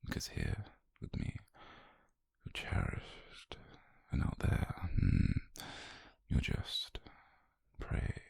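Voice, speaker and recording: A British man playing a calm, possessive, obsessed doctor in an intimate ASMR roleplay, speaking slowly and haltingly in a husky, breathy near-whisper. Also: dry recording. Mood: obsessive, intimate. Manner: slow, halting, intimate delivery.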